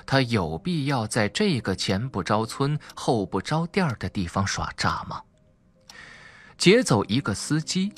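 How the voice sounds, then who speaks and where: A man's voice: mid-range voice, a bit bright, slightly rough. A man narrating a suspense audiobook in a dramatic, emphatic storytelling manner.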